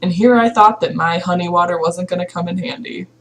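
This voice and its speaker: A woman's voice: fairly low pitch, brisk. A woman co-hosting a game playthrough, chatting casually and reading the game's text aloud into a headset.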